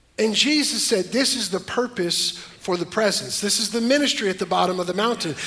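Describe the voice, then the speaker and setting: Noticeable background noise runs beneath a man talking with lively intonation. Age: 40s. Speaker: pastor. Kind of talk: sermon. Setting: church service with congregation.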